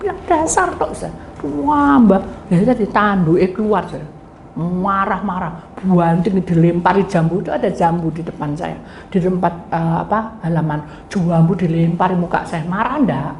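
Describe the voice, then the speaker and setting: A woman's voice: on the low side, moderate pace, darkish tone. A middle-aged woman pastor preaching a sermon, telling stories and acting out voices as she addresses her congregation. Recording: echoey room, faint ambient noise.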